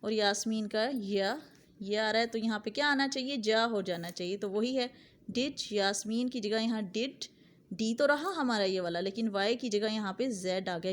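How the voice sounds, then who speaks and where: A woman teaching English phonology in a video lesson, explaining sound changes conversationally and drilling example phrases over and over. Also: mid-range voice. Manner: repeats example phrases slowly and drills them; conversational, checks in with "theek hai".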